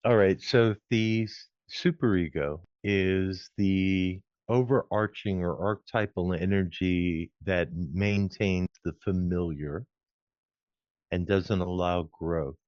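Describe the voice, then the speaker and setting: Man, podcast guest, very deep voice, slow deliberate explaining, dry muffled sound. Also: no echo. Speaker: podcast guest, former recording engineer. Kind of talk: measured explanation.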